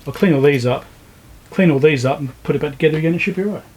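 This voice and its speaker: A man giving casual, low-key commentary as he works, thinking aloud step by step like a repair video host. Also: very fast, a little mellow, husky, poor audio. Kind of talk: casual hands-on commentary while working. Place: indoor repair workbench.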